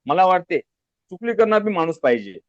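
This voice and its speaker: A man's voice: high-pitched, sing-song, brisk, no echo. A man guest telling how he built his business, in an earnest, plain-spoken way with many restarts. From Maharashtra, India. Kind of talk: casual storytelling interview. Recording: dull lo-fi audio.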